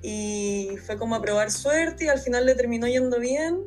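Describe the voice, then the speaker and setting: Young Chilean woman with a highish voice. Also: moderate pace, darkish tone, soft background music. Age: 20s. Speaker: podcast guest, speech therapist. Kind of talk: casual personal storytelling in an interview.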